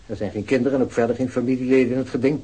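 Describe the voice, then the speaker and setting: An actor in a radio play playing a cool, evasive male company executive who answers police questions curtly and condescendingly, with a husky voice. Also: mid-range voice, steady tone, rapid-fire, dark tone, close to an everyday voice, poor audio. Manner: curt, guarded, condescending. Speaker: business executive. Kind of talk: Dutch radio play acting.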